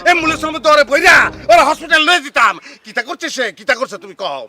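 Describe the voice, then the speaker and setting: A man's voice: very high-pitched, lively intonation, racing, a crowd in the background. A man playing a hot-headed young son who pleads for and defends his mother in a folk stage drama. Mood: indignant. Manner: impassioned, pleading then threatening.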